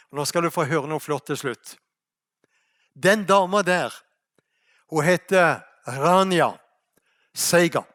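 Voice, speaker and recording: A middle-aged man from Norway preaching a sermon in a mission hall, telling a story and asking his listeners rhetorical questions, slowing down for emphasis. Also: a little high, a bit bright. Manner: asks the audience rhetorical questions.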